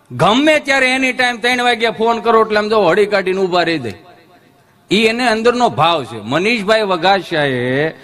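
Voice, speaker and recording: Lively Kathiawadi-accented male comedian. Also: high voice. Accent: Kathiawadi Gujarati. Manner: lively, sing-song delivery with dialect slang. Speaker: stand-up comedian. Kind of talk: folksy stand-up storytelling.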